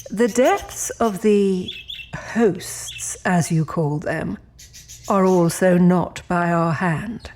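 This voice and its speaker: A woman playing a genteel, imperious female demon in an audio drama, speaking formally with cool, measured politeness. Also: fairly low pitch, darkish tone, a little hiss or hum.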